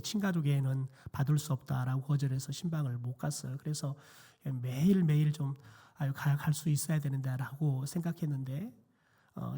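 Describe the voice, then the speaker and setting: A middle-aged man, a pastor, preaching a quiet sermon in a church with a hoarse, nearly lost voice and many hesitant fillers. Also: on the high side. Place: church sanctuary.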